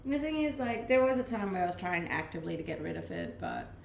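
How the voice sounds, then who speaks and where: A young woman from Denmark speaks with a slight Danish accent, blended from the many countries she has lived in. She chats easily with her viewers and laughs often, and her voice has a gravelly edge. The room sounds echoey, with faint noise behind her. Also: medium pitch, wildly swooping pitch, fast talker, darkish tone. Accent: slight Danish, mixed from living abroad. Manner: laid-back, chatty, often laughing. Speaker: streamer. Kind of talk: casual chat reading live comments.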